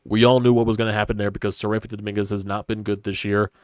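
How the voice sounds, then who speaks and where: A man's voice: lowish voice, little pitch movement, very fast, clean tone, no room sound, clean studio sound. A young man in his twenties, congested and stuffy, hosting a casual solo sports talk stream and rambling with opinionated, casual swearing. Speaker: sports podcast host. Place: hot stuffy room at home.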